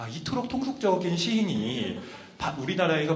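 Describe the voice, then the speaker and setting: A man's pitch swings very widely as he talks amid noticeable background noise. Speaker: event host. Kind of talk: live event hosting. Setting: stage with audience.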